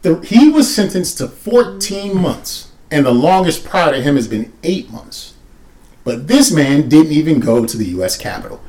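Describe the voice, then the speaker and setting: A man co-hosting a relaxed comedy podcast. His voice is somewhat high and moves around a lot in pitch as he riffs and jokes. He sets up the topics and calls the breaks. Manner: loose, joking, quick asides. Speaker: podcast co-host. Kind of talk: casual comedic chat.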